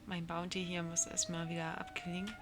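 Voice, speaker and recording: A woman in her thirties giving casual, low-key, self-deprecating commentary while she plays a video game. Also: completely flat delivery, fairly quick. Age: 30s. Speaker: gaming streamer. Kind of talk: casual let's play commentary. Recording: clear background noise, game ambience.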